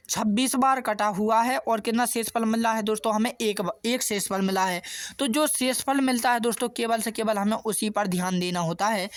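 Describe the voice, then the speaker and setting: A man's voice: high-pitched, dry recording. A man teaching an exam-prep math lesson, patiently walking through each step and constantly checking in with his viewers by asking questions and answering them himself. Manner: steady, patient explaining. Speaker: math tutor.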